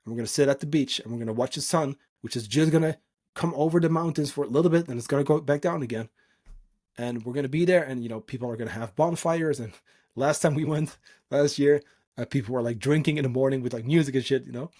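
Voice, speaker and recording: A man from the Netherlands whose first language is Dutch speaks at a medium pitch. He talks off the cuff like a podcasting coach, informal and earnest. He leans on his points with emphasis, in a motivational solo style. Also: fast talker, darkish tone.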